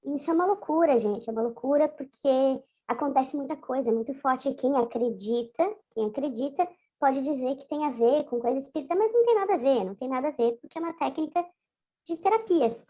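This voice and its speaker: Her voice masked by a voice changer, a woman being interviewed on video tells her story in a casual, halting way with many restarts, speaking briskly in a high voice with a dark tone.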